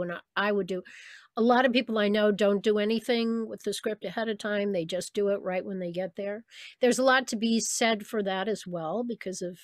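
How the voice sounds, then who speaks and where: Speaking as a guest in an interview, a woman from Saint Louis, USA, who works as a voice actress gives thoughtful, relaxed answers with the occasional laugh. Her voice is mid-range, and the recording has no echo.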